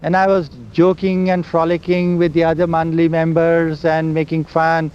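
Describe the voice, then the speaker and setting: An older man, slowly recalling old memories in an oral history interview, with a loud voice. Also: a little high, completely flat delivery. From India. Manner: slow, halting storytelling of memories. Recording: dull lo-fi recording with faint hiss and vehicle sounds.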